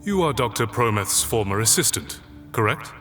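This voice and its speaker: Stern, bright-voiced authoritarian leader. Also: male voice, fairly low pitch, sing-song. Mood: solemn, commanding. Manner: measured, pompous, deliberate. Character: stern, controlled authoritarian leader presiding over a trial. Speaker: presiding official. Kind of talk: formal public address in audio drama. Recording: long hall reverb, faint music behind.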